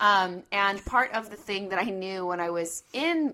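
With a plain, everyday voice, a woman speaks at a medium pitch and with ordinary pitch variation. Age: 30s. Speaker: submissive and podcast co-host. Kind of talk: casual banter chat.

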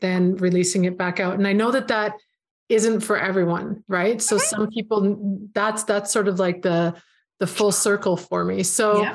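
In a Canadian accent, a woman talks at a medium pitch with monotone, flat intonation. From Canada, Alberta. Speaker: yoga teacher and spiritual practitioner. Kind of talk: interview.

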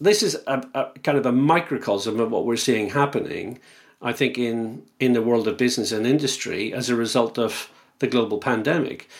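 Speaking at a moderate pace in a Northern Irish accent, a man with medium pitch and ordinary pitch variation comes through on a very clean recording with a silent background. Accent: Northern Irish (Belfast). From Northern Ireland, Belfast. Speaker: motorsport executive and conference speaker. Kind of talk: interview conversation.

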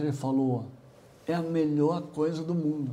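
Heard with audible room echo, this man's voice is fairly high-pitched. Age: 50s. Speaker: advertising executive. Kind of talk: casual interview.

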